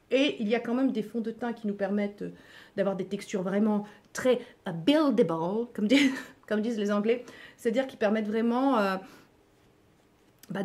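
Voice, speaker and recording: A middle-aged woman giving a chatty makeup tutorial, playful asides and frequent hesitations. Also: mid-range voice. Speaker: beauty vlogger.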